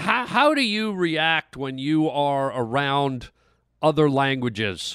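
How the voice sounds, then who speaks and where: In an animated tone with lively intonation, a man with a slight Canadian accent speaks on a very clean recording with a silent background. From Canada. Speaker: comedian podcast host. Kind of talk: comedic monologue. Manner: animated, stammering repetitions.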